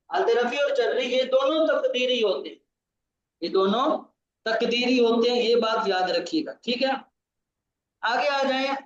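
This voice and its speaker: High-voiced male teacher, distant and echoey. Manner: patient, repeats key points, checks understanding. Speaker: Arabic grammar teacher. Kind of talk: classroom grammar lesson. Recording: distant, roomy, dull lo-fi sound.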